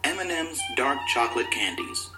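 A man's voice: mid-range voice, animated, normal speed, close to an everyday voice. An actor playing a mock-heroic male announcer in a dramatic candy commercial. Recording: radio ad over loud music.

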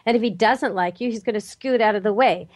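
A woman's voice: medium pitch, a little fast, darkish tone, dry recording. A woman hosting a radio pet show, asking eager questions and stepping in to clarify points. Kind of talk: casual radio interview.

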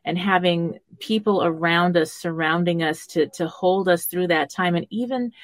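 A woman's voice: lowish voice, normal speed, dry recording. Earnest woman hosting a talk show. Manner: earnest and encouraging, repeats words. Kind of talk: conversational interview hosting.

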